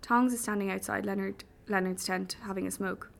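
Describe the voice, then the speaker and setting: A woman's voice: mid-range voice, steady tone, normal speed, gravelly. A woman narrating a first-person audiobook in a wry, vivid manner. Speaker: audiobook reader.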